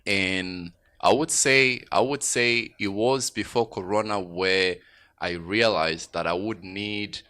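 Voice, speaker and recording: A Tanzanian man appears as a guest musician in a radio studio interview, his voice lowish and his pace slow. He speaks reflectively but grows emphatic when he gets excited.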